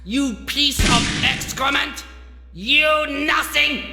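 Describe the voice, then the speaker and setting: Slow, theatrical, deranged doctor villain. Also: male voice, medium pitch, huge pitch swings. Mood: grandiose rage. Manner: pompous, theatrical, over-enunciated. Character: smug, deranged male doctor villain with grandiose, apocalyptic menace. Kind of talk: video game villain acting. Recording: echoey reverberant hall, faint music behind.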